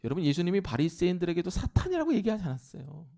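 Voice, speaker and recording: A male pastor preaches with a lively, swinging delivery and a gravelly edge in his voice. His pitch sits on the higher side as he explains scripture to his congregation. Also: racing. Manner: animated preaching, shouting scripture at peaks, then dropping low. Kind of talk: sermon. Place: church sanctuary.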